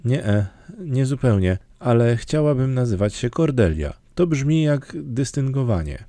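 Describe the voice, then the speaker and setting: A man's voice: lively intonation, measured pace, mellow, dry recording, lightly acted. A man voicing an emotional, talkative orphan girl in an audiobook, pleading and theatrical. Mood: dreamy pleading. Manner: pleading, theatrical, raised higher voice. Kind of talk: audiobook character reading.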